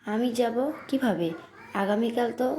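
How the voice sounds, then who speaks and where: A woman reading as a short-tempered young man in an audio story, clipped and reluctant when he answers. The voice is mellow and low-key, with the same steady storybook delivery. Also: unhurried, a little hiss or hum, lightly acted. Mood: curt. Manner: curt, reluctant. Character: moody young male lecturer, curt and irritable.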